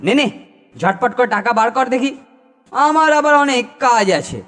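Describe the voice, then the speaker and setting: A man's voice: extremely high pitch, animated, normal speed, a bit bright. A man voicing a boastful, greedy older schoolboy bully in a children's cartoon, teasing and theatrical. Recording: long reverb, music behind.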